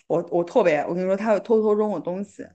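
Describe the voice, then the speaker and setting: A woman's voice: medium pitch, fairly quick. Chatty woman telling stories. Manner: chatty, animated, laughs often, repeats "I tell you". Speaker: podcast co-host. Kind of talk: casual chat, personal storytelling.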